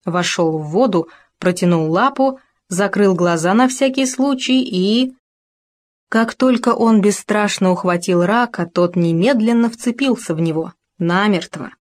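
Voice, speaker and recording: A woman narrating a children's story in a lively, expressive reading voice. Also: medium pitch, measured pace.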